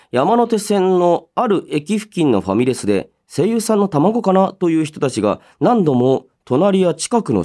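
A man's voice: on the high side, warm tone. A man in his thirties hosting a radio show solo, reading listener mail and musing aloud in a polite but casual way.

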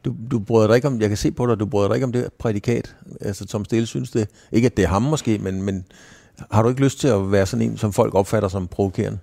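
A male sports interviewer with a low, gravelly voice. He asks probing follow-up questions in a casual tone. His timbre is dark and mellow. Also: steady tone, no echo.

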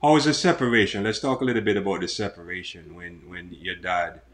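A man co-hosting a Christian testimony show, asking gentle questions and giving short affirming replies. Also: low voice, steady tone, fairly quick. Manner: brief affirming interjections, gentle probing questions. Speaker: co-host of a Christian talk show. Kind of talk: interview questions and listening responses.

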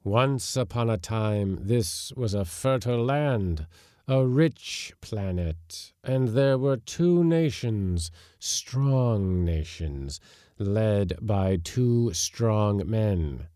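A man voicing an ancient, bodiless alien warlord spirit, speaking in slow, grand, booming declamation. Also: animated, mellow, clear, resonant tone, no room sound, clean studio sound. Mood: solemn.

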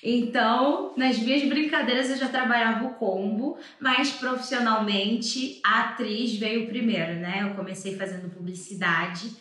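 A woman in her twenties from São Paulo, a guest actress chatting lively in a talk show interview. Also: on the high side, moderate pace, hardly any pauses, very echoey. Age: 20s.

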